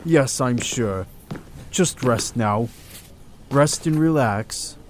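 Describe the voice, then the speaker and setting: An earnest hospital doctor, played by a man in an audio drama, with a middling pitch. He sounds principled and articulate, patient but a little worn by his workload. The recording has slight noise. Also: expressive, very slow. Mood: patient, pleading.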